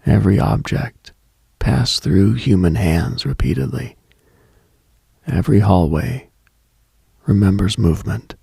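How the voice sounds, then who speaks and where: A man delivers a brooding late-night radio monologue in a hushed, contemplative way. His voice is low and heavily gravelled, with a close, dry sound. He reads like a mystical broadcast host speaking into the small hours. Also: a little slow, pauses often, no room sound.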